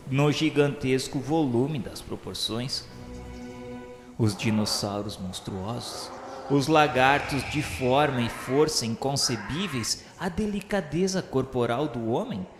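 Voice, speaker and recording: A Brazilian man playing a repentant spirit who narrates a radio serial, solemn, fervent and awestruck, declaiming in grand literary style with dramatic pauses. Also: mid-range voice, background noise, close to an everyday voice. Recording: echoey hall reverb over music. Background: music.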